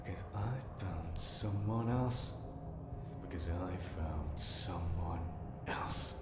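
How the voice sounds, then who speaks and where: A man playing a menacing, obsessive masked killer in a horror game, speaking deliberately and half under his breath. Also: deep voice, very noisy. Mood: obsessive menace. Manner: slow, deliberate, half-whispered. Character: soft-spoken menacing masked male serial killer. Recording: loud music over echoey voice.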